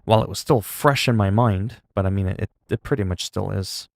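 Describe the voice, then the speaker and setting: Low gravelly streamer. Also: male voice, fairly quick, no echo. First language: French. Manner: rambling, self-talk with laughs and asides. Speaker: gaming streamer. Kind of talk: casual gameplay chat.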